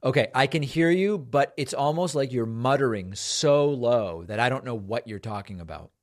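A man hosts a call-in show and talks with his callers in a brisk, emphatic way. His voice sits at an ordinary pitch for a man, and his delivery stays casual and conversational. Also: animated. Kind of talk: casual call-in talk and read sponsor ads.

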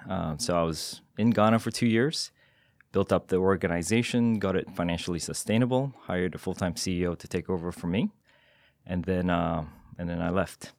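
A man from Singapore, with a notably low voice, answers a podcast host in a dry studio. He speaks modestly and measuredly, pausing often with small hesitations. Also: fairly even intonation, gravelly, darkish tone, no room sound. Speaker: guest. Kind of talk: interview answers.

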